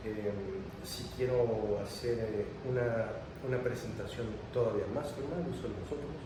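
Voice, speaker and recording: A man from Mexico, an interview guest, chatting casually in a relaxed, meandering way, slipping in English words now and then. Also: on the low side, moderate pace. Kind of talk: casual conversation. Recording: roomy, distant mic with clear background noise.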